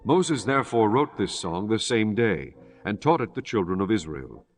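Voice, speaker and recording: Male scripture narrator, lowish pitch, formal and measured, solemn scripted read over soft music. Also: expressive.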